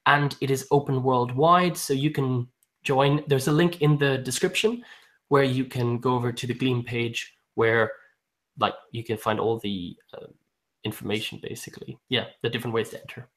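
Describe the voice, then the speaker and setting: A man's voice: mid-range voice, fairly even intonation, moderate pace, a bit bright. A man hosting a casual live-stream book chat who hesitates a lot, with frequent ums, restarts and laughs. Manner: laughs often while talking. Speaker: booktube host.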